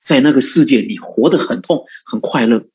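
Lively, animated male Buddhist preacher. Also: mid-range voice, normal speed. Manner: rhetorical questions, lively and coaxing, chuckles often. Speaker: Buddhist monk teaching. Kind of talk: sermon.

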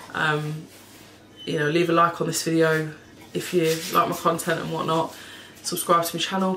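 This woman, a cleaning vlogger, has a lowish, slightly hoarse voice with a froggy throat as she chats and rambles to the camera in her home kitchen, occasionally laughing or swearing. The camera sits in front of her at table height indoors. The kitchen sounds echoey, with noise in the background.

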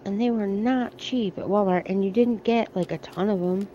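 A woman's voice: medium pitch, moderate pace, mellow, muffled recording, slight background noise. A middle-aged American woman vlogging casually as she shops in a large discount store, chatting and thinking aloud about products into a handheld phone. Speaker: shopping vlogger. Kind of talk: casual shop-with-me vlog. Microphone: handheld phone camera.

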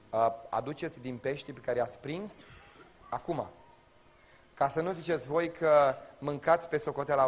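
A man with a Romanian accent preaching a sermon to a congregation in a colloquial way, his delivery swinging from loud exclamations to low murmurs. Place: church before a congregation.

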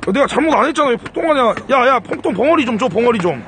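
A man doing a casual live stream from a car, loud and excitable, swearing and thanking viewers. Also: very high voice, very fast, a little hiss or hum.

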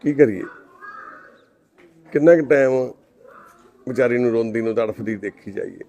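A man with a Punjabi accent, a charity volunteer making a soft, pleading appeal to the camera. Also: mid-range voice, normal speed.

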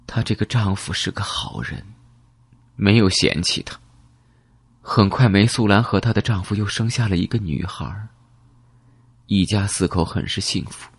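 Low, husky male audiobook narrator. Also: normal speed, long pauses, no echo. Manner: emotive storytelling, first-person.

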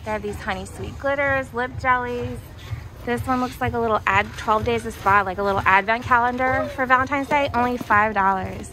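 Speaking fairly quickly in a rather high voice, a young American shopping vlogger casually gushes about products inside a discount retail store. She films on a handheld camera or phone, with music and a noisy background.

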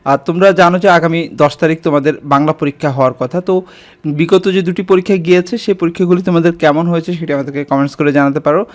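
A man giving an exam-prep lesson to school students, speaking directly to them and pausing with fillers as he explains. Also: a little high, steady tone.

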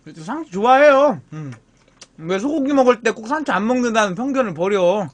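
A man's voice: sits high, animated, fairly quick. A man hosting a live-stream mukbang, casually chatting with viewers and teasing them as friends while he grills meat. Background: meat sizzling on a grill.

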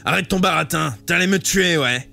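A hostile teenage boy, as a reader puts him on, barks his lines in a loud, rough voice, slightly raised above the reader's usual pitch. He sounds blunt and distrustful throughout, in an audiobook reading. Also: brisk, faint music behind. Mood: aggressive. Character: aggressive suspicious teenage boy with a gun.

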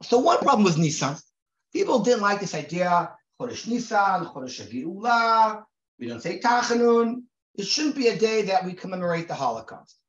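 A man's voice: high-pitched, very animated. Male rabbi in his forties, from Israel, conversational lecture style, lots of restarts, roomy and muffled recording. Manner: conversational, many restarts and repeated words; reads Hebrew sources aloud quickly. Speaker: rabbi teaching a class. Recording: roomy, dull lo-fi sound.

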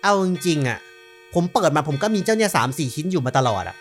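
Male game host, higher-pitched voice, casual chatty play-by-play addressed to viewers. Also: lively intonation, fast, faint music behind. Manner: chatty, talks straight to viewers while playing. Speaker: gaming channel host. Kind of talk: casual horror-game commentary.

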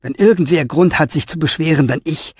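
Performed by a man, a cranky old storyteller in an audiobook grumbles curses and name-calling. The voice sits a little high and the sound is dry and close. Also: brisk, slightly rough, no echo. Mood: scornful. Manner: grumbling, insulting. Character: grumpy aging male writer, cursing and scornful.

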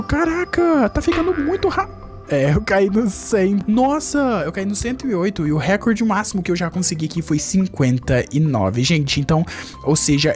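A man from Brazil giving excitable gameplay commentary as a YouTuber, chatting nonstop to his viewers and jumping high in pitch when something surprises him. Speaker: gaming YouTuber.

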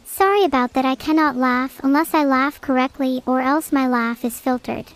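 A synthetic female AI voice, chatting casually as a stream co-host with dry, deadpan quips. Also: high voice, normal speed, smooth, faint music behind. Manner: deadpan, matter-of-fact quips. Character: female AI vtuber, dry and teasing.

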